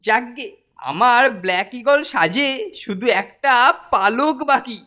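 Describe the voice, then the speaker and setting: A woman's voice: on the high side, a little slow, a bit bright, dull audio. A woman voicing a boastful, bullying older schoolboy in a comic cartoon, with a taunting, swaggering delivery. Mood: gloating. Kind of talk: exaggerated cartoon acting.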